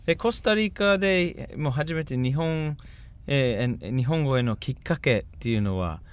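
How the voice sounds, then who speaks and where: A man's voice: medium pitch, animated, normal speed, smooth. A man interviewing a guest in a casual conversation. He encourages the guest and often adds short acknowledgments while the guest talks.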